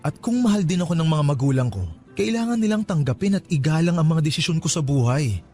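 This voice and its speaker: A man's voice: on the high side, expressive, fast, dark tone, soft background music. A man playing an earnest, lovestruck young suitor in a radio romance drama, pleading insistently.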